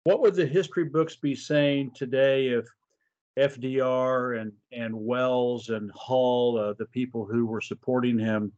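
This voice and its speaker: A man speaks slowly and deliberately, pausing over his words as he poses a long question to his co-host. His voice comes through a dull, lo-fi remote line. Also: mid-range voice, fairly even intonation, darkish tone. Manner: slow, thoughtful, hesitant with fillers. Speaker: podcast co-host. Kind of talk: conversational interview questions.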